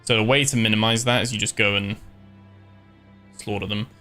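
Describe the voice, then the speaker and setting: A man giving relaxed, casual commentary as he streams a strategy game, thinking aloud with frequent ums. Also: lowish voice, brisk, clean tone, soft background music. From born in Scotland, raised in Ireland. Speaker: live-streamer.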